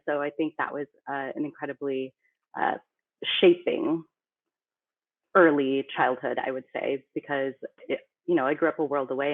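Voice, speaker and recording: A woman from the Philippines, a company CEO, talking casually as a podcast guest in a chatty, self-deprecating way. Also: a bass voice. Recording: tinny phone-like remote line.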